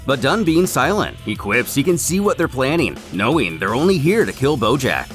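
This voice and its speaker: Male narrator, animated delivery for a comic recap, music underneath. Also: medium pitch, moderate pace. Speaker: narrator of a fan comic series. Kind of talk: scripted story recap narration with acted quotes.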